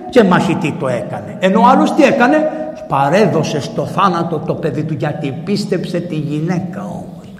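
A man, a priest, giving a sermon in a church and retelling a story in lively, colloquial language. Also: fairly high pitch. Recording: echoey church with long reverb.

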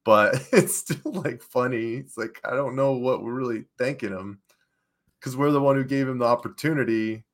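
Brief: male co-host, mid-pitched voice, emphatic and chuckly in casual sports talk. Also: moderate pace. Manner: laughs between words, emphatic. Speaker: podcast co-host.

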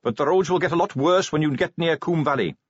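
A man's voice: a little high, fast, husky, no echo, pitched above the performer's own voice. A man voicing an earnest, polite young male watch captain who answers eagerly and respectfully in an audiobook reading. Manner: eager, respectful, keeps saying sir. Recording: dry, slightly dull lo-fi sound.

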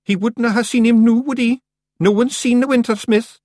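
A man's voice: very high voice, steady tone, moderate pace, a little mellow, no echo, clean studio sound, voice pushed up. A man voicing a knowing little fairy clansman with a Scottish accent, explaining matter-of-factly in a storybook. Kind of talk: acted storybook dialogue.

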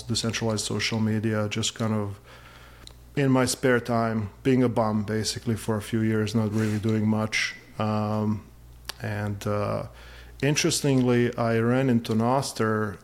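A man in his forties from Serbia, chatting casually as an interview guest, with lots of fillers and a self-deprecating humor. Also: lowish voice.

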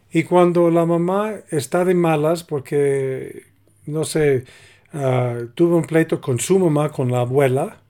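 A middle-aged man talks in an unhurried, measured way, laying out his points one by one. His voice sits a little high for a man. He sounds like a co-host giving advice in a relaxed conversation. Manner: calm, explanatory, acts out little example dialogues. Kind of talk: casual conversation.

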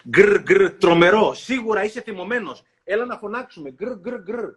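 A man's voice: sits high, expressive, pitched above the performer's own voice. A man voicing a big, grumbling bear from a children's storybook, growling as he talks. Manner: growling, loud. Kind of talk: storybook read-aloud.

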